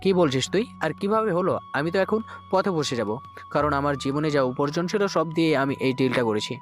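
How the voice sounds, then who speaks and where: A man's voice: on the high side, expressive, fairly quick, faint music behind, lightly acted. An actor playing a wealthy middle-aged male crime boss and father, speaking through clenched anger. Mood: angry. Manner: angry, clenched.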